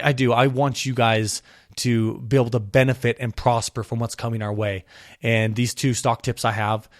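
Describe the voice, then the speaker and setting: A man hosting his own podcast, talking with impassioned energy, his voice a little hoarse from a cold. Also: no room sound, studio quality. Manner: impassioned ranting, pitch climbing when worked up. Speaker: podcast host. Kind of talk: solo podcast commentary.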